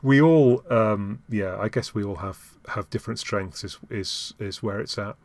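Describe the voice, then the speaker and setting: A man's voice: lowish voice, normal speed, a little mellow. A man hosting a podcast in casual chat, stumbling over and repeating words, with a dry, self-mocking humour. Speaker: podcast host.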